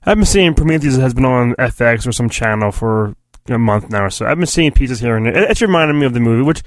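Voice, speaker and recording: A man's voice: mid-range voice, lively intonation, quick pace, dry recording. A man co-hosting a movie podcast, chatting in an easygoing way and laughing along. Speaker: podcast co-host. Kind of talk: casual chat.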